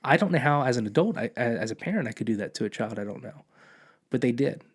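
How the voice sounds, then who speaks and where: A man's voice: mid-range voice, animated, quick pace, slightly rough. A man, a police officer and podcast guest, telling a long personal story in casual conversation, rambling with many restarts and acting out quoted dialogue.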